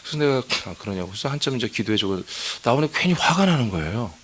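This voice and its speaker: A man's voice: medium pitch, sing-song, fast, husky. A male pastor preaching at a dawn church service, telling a story in a chatty way and scolding with humor. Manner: asks the congregation for answers. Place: church sanctuary.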